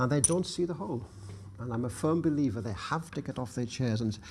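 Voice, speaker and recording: Somewhat breathy speech in a Welsh accent, with lively intonation and a fairly quick pace. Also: man. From Wales. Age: 70s. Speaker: stone carver. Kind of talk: instructional explanation while working. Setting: workshop. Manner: calm, gentle.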